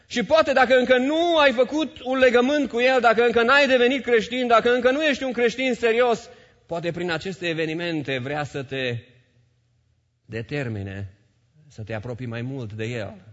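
A male pastor preaching a sermon in a church hall, emphatic, repeating phrases and swinging between loud and soft. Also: extremely high pitch. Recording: reverberant hall, dull sound.

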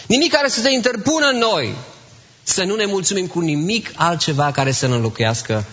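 A man preaching a sermon in a church, impassioned, swinging between hushed and loud emphatic lines and repeating phrases for emphasis. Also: sits high, lively intonation, breathy edge, lo-fi sound. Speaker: pastor.

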